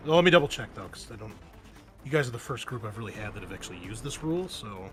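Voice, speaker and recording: A man's voice: on the low side, very animated, fast talker, fairly bright tone, soft background music. A man speaking casually as a game master, narrating scenes and explaining rules to players.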